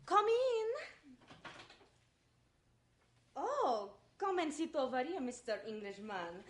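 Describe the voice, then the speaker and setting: A woman acts out a fiery young singer in a radio mystery. Her voice is extremely high. She speaks melodramatically, jealous and possessive of her man. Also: very animated, takes it slowly, heavily acted. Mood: guarded, suspicious. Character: passionate, possessive young Casbah singer with broken English. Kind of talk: radio mystery drama acting.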